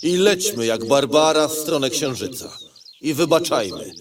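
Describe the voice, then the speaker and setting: An actor voicing a pompous, speechifying retired cavalry captain beetle who is running for mayor in a cartoon. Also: male voice, fairly high pitch, very animated, normal speed, a crowd in the background. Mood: solemn. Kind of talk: cartoon voice acting.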